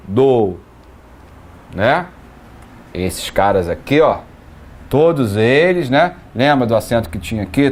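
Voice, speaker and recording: A man gives a classroom grammar lesson in a middle-pitched voice. He explains each rule patiently, lists example words one after another and stops to check that his students follow. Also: a little mellow. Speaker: teacher.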